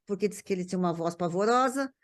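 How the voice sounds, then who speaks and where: A woman's voice: lowish voice, expressive, quick pace. An older woman with a São Paulo Brazilian accent, reminiscing casually in conversation and often repeating words as she searches for the next. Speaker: guest recalling a parent's career.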